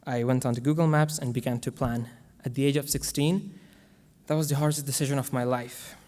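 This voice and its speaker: A young man from Afghanistan, giving an earnest, measured prepared speech as guest speaker to a school audience. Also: mid-range voice, fairly even intonation, warm tone. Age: young adult. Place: large school hall. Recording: long hall reverb.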